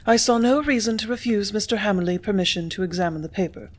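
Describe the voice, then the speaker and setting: A woman reading the part of a composed young office clerk who answers quietly, firmly and tartly. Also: medium pitch, quick pace, natural voice. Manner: quiet, firm, tart.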